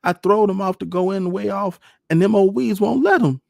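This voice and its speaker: Storybook role: dreamy little rural Southern boy played by a man, raised pitch, rough-edged voice, childlike pleading. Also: normal speed, a little mellow, dry recording, clean studio sound. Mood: weeping. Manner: pleading, childlike dialect speech.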